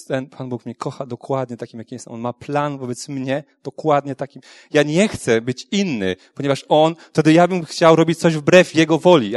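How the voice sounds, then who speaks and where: A man's voice: mid-range voice, no echo, clean studio sound. Earnest man, candid faith testimony. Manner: conversational, frequent tag questions and restarts; frank and earnest. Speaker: speaker giving a faith testimony. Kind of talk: personal testimony talk.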